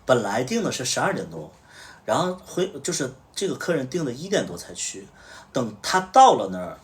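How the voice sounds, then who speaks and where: A man hosts a livestream, casually telling a story and acting out each person's lines as he recounts events through reported dialogue. His mid-range voice swings widely in pitch and moves at a brisk pace. The mic sits at a distance.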